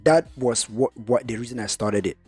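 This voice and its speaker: Cameroonian guy on a podcast, husky voice, gets loud and high when he makes a point, faint music behind. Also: normal speed, no echo. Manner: animated, rises in pitch when stressing points. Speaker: guest investor. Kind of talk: podcast conversation.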